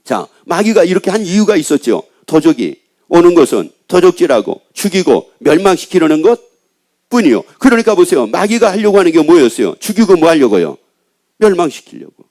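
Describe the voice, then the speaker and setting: A man's voice: high voice, sing-song, a little fast, a little mellow. A male pastor preaching a Sunday sermon, asking the congregation questions and answering them himself.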